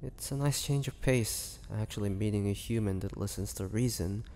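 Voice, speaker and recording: Man acting as an old-world vampire, wistful, gentle, creaky, halting, intimate audio drama, faint background noise. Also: lowish voice, lightly acted. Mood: curious, intrigued. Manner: halting, hesitant, measured, with pauses. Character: ancient, trapped male vampire, gentle and wistful. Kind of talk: scripted audio roleplay monologue, intimate.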